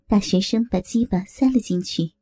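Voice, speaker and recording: A woman narrating a first-person audio story in a slow, soft-spoken way. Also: mid-range voice, soft background music.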